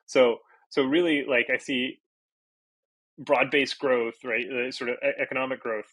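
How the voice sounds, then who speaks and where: A man's voice: mid-range voice, fairly even intonation, measured pace, a bit bright, no room sound. A Portuguese-native man from Brazil, a podcast guest, talking casually and thinking aloud with many fillers and restarts. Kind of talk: casual interview talk.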